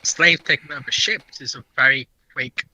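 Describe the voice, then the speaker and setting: A man's voice: medium pitch, normal speed, bright, forceful tone, slightly rough, no room sound, low-quality recording. A man chiming in as a co-panelist in a casual, unscripted history discussion.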